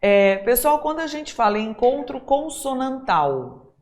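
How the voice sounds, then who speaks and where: A woman's voice: high voice, sing-song, a little slow, darkish tone. A middle-aged Brazilian woman teaching an exam-prep language lesson, chatty, talking straight to her students and checking in with them often. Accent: Brazilian Portuguese. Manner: chatty, addresses students directly with frequent tag questions.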